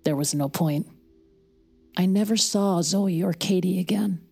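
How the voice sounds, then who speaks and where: Guarded, grieving young wife; low, somber audio-drama narrator. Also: female voice, a little slow, creaky, husky, soft background music, exaggerated voice. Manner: quiet, somber, reflective. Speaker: narrator and lead character.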